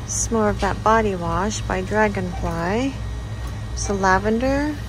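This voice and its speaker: A woman's voice: mid-range voice, a little slow. Woman vlogger, leisurely and chatty, gushing over shelves on a phone mic; audible shop bustle. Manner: chatty, exclaiming over items. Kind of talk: shop-with-me vlog. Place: inside a large store. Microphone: handheld phone camera. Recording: store noise behind.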